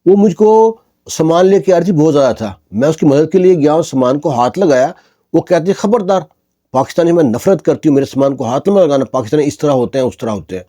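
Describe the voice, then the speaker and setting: A man voicing a proud, short-tempered Pathan driver who talks bluntly in a slightly lowered voice. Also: animated, warm tone. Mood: hurt.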